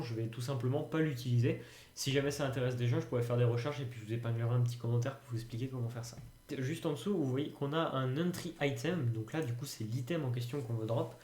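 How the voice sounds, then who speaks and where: A man's voice: medium pitch, warm tone. A man giving a casual screen-recorded tutorial, thinking aloud with frequent hesitations and fillers. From France. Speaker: tutorial youtuber. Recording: roomy home recording.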